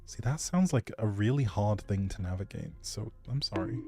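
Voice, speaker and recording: On a casual gaming livestream, a man with a lowish, slightly mellow voice speaks expressively at a normal speed. He answers chat in a meandering, uncertain way that often trails off, with music in the background.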